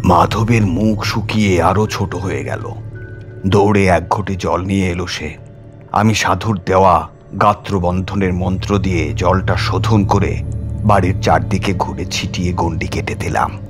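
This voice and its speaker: A man's voice: sits low, fairly even intonation, measured pace. A man narrating a horror audiobook in a theatrical, suspenseful manner. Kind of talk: dramatic scripted horror story narration. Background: music.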